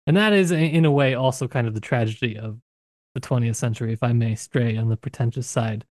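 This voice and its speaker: Brisk and mid-range, with a darkish tone, this male co-host of a book podcast explores ideas thoughtfully and keeps restarting his phrasing. The sound is clean studio audio with no echo.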